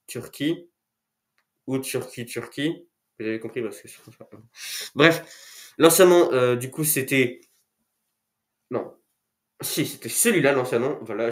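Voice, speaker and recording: Rambling joking French-speaking man with a cold. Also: medium pitch. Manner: rambling, joking, self-mocking asides. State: has a cold, sniffly. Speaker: YouTuber. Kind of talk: casual talking-head video. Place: indoors at home, to camera. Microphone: camera mic.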